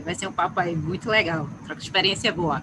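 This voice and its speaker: The speech comes at a very fast pace. It is delivered in a Recife accent. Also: woman. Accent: Recife (Pernambuco). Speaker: security company panelist. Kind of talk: online panel discussion. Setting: online live stream.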